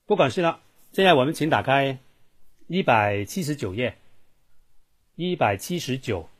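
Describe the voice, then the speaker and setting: Fields: Sex: man. Pitch: middle. Role: teacher. Style: online voice lesson. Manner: chatty, questioning. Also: animated, moderate pace. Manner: chatty, repeats himself, asks the class questions. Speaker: Thai language teacher. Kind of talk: live online language lesson.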